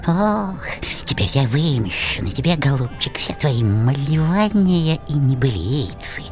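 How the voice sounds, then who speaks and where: A woman playing a sly, wheedling little male devil with a squeaky voice in a theatrical audio drama. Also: very animated, a little mellow, full character voice. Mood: gloating. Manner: wheedling, drawn-out, giggly. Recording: music behind the voice.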